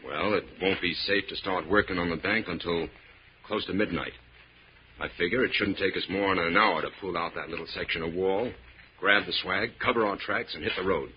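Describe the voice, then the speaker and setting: A man's voice: low-pitched, a little fast, lightly acted. An actor playing a ruthless, bossy bank robber in an old radio drama, talking in clipped tough-guy slang with a commanding manner. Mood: gruff, impatient. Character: ruthless bossy male bank robber, hard-boiled crook. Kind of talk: 1940s-50s radio drama acting. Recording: muffled old radio recording, faint hiss.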